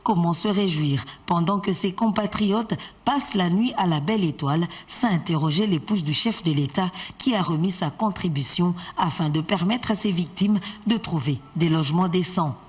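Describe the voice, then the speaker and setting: A woman reading a formal news report as a voice-over, steady and even. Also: fairly low pitch, moderate pace, hardly any pauses, breathy edge.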